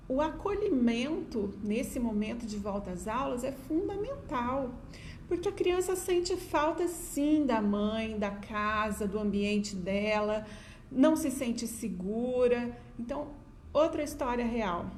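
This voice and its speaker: A woman's voice: on the high side, expressive, a little slow, darkish tone. A middle-aged Brazilian woman with a Brazilian Portuguese accent, casually telling stories to viewers in an affectionate, chatty way and often adding "né?". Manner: chatty, affectionate, many diminutives and "né?" asides. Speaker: educator sharing stories. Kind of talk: casual storytelling talk to viewers. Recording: echoey room with faint ambient noise.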